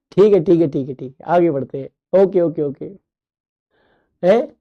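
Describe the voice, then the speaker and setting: A man's voice: fairly high pitch, dry recording, muffled recording. A male teacher giving a recorded class, playful, repeating key terms and asking the class questions. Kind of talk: recorded online class lecture.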